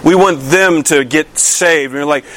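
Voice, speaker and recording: A man's voice: on the high side, a little slow, a bit bright. A male pastor delivering a conversational sermon, asking his listeners many questions and often restarting his sentences. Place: church.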